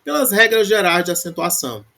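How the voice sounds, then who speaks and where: A man with a Brazilian Portuguese accent teaching a Greek grammar lesson, reciting word forms slowly and then explaining in quick bursts, often tagging "né?". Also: high voice, very animated, creaky, bright, forceful tone.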